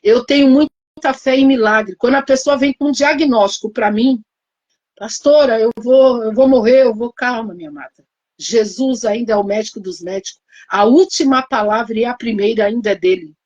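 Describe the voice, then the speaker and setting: A woman's voice: a little high, moderate pace, highs cut off. Emotional Brazilian woman pastor. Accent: Brazilian Portuguese. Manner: emotional, storytelling, reenacts her own prayers. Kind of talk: testimony sermon.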